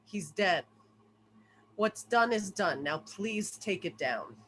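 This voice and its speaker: A woman's voice: medium pitch, animated, slow, a bit bright, slight background noise. A woman playing a weary, stern, grieving father in his forties in a script table read.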